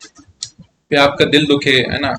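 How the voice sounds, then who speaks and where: A man's voice: mid-range voice, little pitch movement, takes it slowly, bright, forceful tone, slight background noise. A man teaching a live online maths class, coaxing his students along and often checking if they follow. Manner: chatty, coaxing, keeps asking students "yes or no?".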